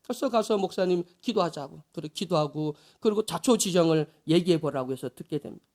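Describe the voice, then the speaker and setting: High-voiced male pastor telling a story. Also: animated, fairly quick, darkish tone. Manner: conversational, anecdotal preaching. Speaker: associate pastor. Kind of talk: early-morning sermon with storytelling.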